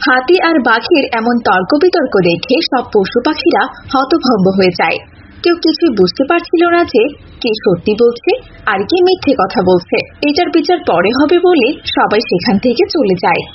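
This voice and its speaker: High-voiced woman narrating a cartoon story. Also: very animated, normal speed. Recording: muffled audio with faint noise.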